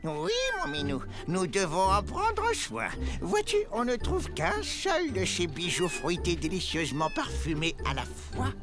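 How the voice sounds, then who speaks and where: Excitable cartoon elder, wildly swooping pitch. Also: female voice, a little slow, hardly any pauses. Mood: solemn, explaining. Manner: effusive, exclamatory, swooping delivery. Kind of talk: French animated cartoon dub acting. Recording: music behind the voice.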